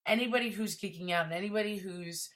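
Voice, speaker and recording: A woman guest on a podcast, chatting casually in an animated way with quick asides and frequent laughs. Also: mid-range voice. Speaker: podcast guest, entertainment writer. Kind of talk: casual chat.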